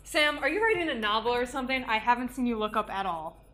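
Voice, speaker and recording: Woman acting blunt, impatient teammate, higher voice. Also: animated, fast, sharp tone, slight background noise. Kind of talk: student short film comedy acting.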